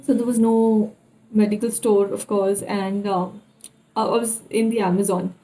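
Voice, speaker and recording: A young woman with an Indian English accent, telling personal experiences in a casual vlog style and pausing often to recall details. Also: medium pitch, level tone, warm tone, poor audio. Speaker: vlogger.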